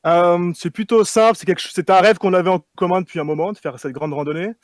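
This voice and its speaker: Young man from France, fairly high voice, dry sound, relaxed and hesitant. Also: fast talker, no echo. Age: young adult. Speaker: guest.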